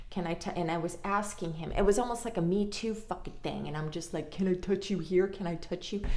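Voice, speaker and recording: Audible room echo surrounds a woman speaking at a medium pitch with fairly even intonation. She moves at a fairly quick pace with hardly any pauses. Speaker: mental health vlogger. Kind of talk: casual vlog monologue. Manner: halting, stammering.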